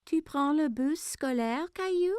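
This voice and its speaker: A woman voicing a gentle, caring mother in a children's cartoon, speaking tenderly and encouragingly. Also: sits high, animated, slow pace, a little hiss or hum.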